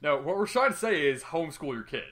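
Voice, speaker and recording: Lively, bright-voiced man bantering casually. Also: fairly high pitch, quick pace. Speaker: host of fan-fiction reading.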